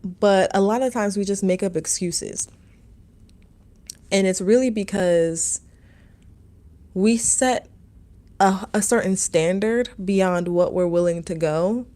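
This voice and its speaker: She speaks slowly in a warm, mid-range voice, leaving long pauses. A young woman from Maryland, USA, she's a meditation teacher hosting a casual livestream, drifting through viewer comments with frequent "like"s and "um"s.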